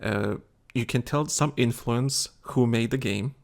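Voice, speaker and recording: A man's voice: mid-range voice, measured pace, vocal fry. A tired man co-hosting a casual gaming chat show, rambling with many restarts and fillers. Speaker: podcast co-host.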